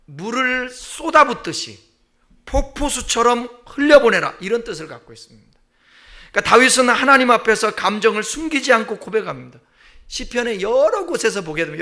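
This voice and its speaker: A male pastor delivering a Sunday sermon in a church, with a high, bright voice. He preaches emphatically, voicing quoted prayers with rising intensity before returning to calm explanation. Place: church sanctuary.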